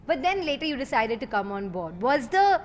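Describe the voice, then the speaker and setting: A woman's voice: sits high, very animated, brisk. A woman hosting a conversational celebrity interview in an effusive, complimentary way. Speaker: interviewer, host. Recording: reverberant hall with background noise.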